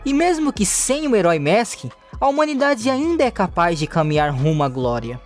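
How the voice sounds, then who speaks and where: A man tells a manga story in a high, bright register, his pitch swooping up and down as he narrates. Soft music plays faintly behind him throughout. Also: normal speed. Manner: lively storytelling with rising and falling pitch. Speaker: recap narrator. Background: faint background music.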